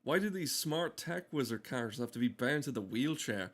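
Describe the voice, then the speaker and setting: Male streamer, mid-pitched, loose and sweary, riffing irreverently over cutscenes in a casual ramble. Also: lively intonation, brisk. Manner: profane, irreverent riffing with dark humour. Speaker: gameplay streamer.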